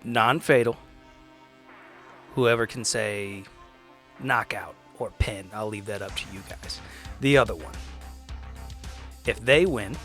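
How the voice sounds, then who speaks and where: A man playing a tabletop roleplaying game, improvising persuasive speeches in a casual, halting way. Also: lowish voice, a bit bright, faint music behind. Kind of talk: improvised in-character negotiation and table talk.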